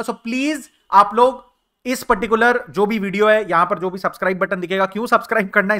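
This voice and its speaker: A man's voice: high-pitched, pushed and bright. A young adult man with an Indian accent giving an exam revision lecture, chatty and switching freely between Hindi and English. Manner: chatty, mixes Hindi and English, calls listeners brother. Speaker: teacher.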